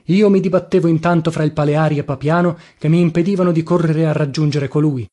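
A man narrating a classic novel in the first person, expressive and dramatic in his reading. His voice sits a little higher than most men's. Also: fast. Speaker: audiobook narrator.

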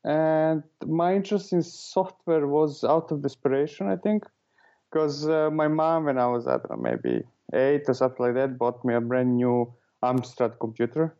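A man's voice: a little high, lively intonation, moderate pace, warm tone, muffled recording. A man from Serbia answering interview questions casually, with hesitant talk full of fillers and restarts. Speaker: guest, author and consultant.

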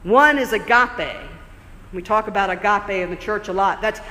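A man preaching a sermon in a church, conversational and explanatory, slowing down for emphasis. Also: high voice, pushed and bright. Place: church sanctuary. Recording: long church reverb.

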